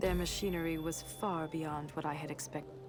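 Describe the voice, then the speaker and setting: A woman's voice: low-pitched, fairly even intonation, moderate pace, over music, natural voice. A woman playing a proud, resolute knight, narrating her mission in a video game, dry and matter-of-fact. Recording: very noisy game ambience.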